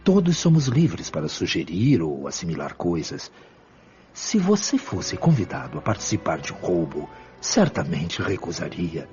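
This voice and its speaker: Audio drama role: wise, serene male spirit guide, acted by a man, low voice, didactic and formal, lively intonation, muffled recording. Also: faint music behind, full character voice. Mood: calm, instructive. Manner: measured, didactic, formal diction. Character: calm wise male spirit mentor, patient and firm. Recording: dull lo-fi audio.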